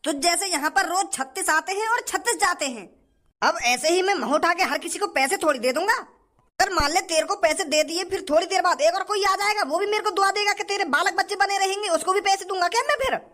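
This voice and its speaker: A man's voice: extremely high pitch, fast, bright, forceful tone. A man voicing a stingy, rude male shopkeeper. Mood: scornful. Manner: scornful, rustic dialect.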